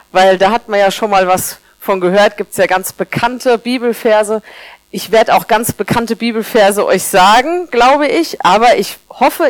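A woman's voice: medium pitch, no echo, poor audio. A woman, a teacher by profession, preaching a sermon in a friendly, conversational way, speaking straight to the congregation.

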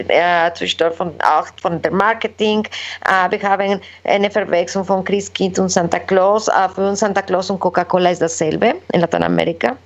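Woman speaking halting German. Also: medium pitch. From Mexico. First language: Spanish. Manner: halting non-native German, many fillers and restarts. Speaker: guest. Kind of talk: casual interview talk. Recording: dull lo-fi recording.

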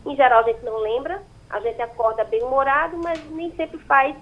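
A woman's voice: high voice, normal speed. A woman speaking over a landline phone as an expert guest on a radio call-in, explaining with frequent hesitant fillers. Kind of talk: radio interview answers. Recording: muffled phone line.

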